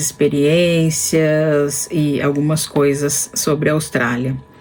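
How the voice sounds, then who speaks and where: A woman speaks with a very deep, low pitch. Noticeable background noise is present. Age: 50s. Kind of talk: casual talk to camera. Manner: slow.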